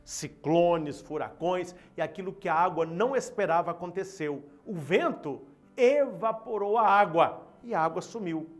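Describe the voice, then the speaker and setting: A man with a Brazilian Portuguese accent, a Catholic priest giving an Easter sermon, telling a parable slowly and with emphatic, dramatic delivery. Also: sits high, soft background music. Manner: slow, dramatic, emphatic storytelling.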